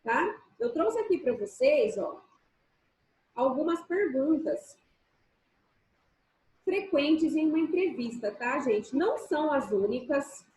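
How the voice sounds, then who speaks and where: A woman's voice: high-pitched, lively intonation, slow, pauses often, a little mellow, echoey room, rough recording. A woman teacher giving an online class lecture, chatty and joking, often checking in with her students.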